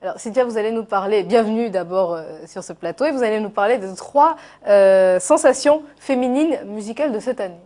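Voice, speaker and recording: A woman's voice: mid-range voice, a little fast, few pauses. A woman co-hosting a TV news program, asking questions with frequent fillers. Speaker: news co-host. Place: TV studio.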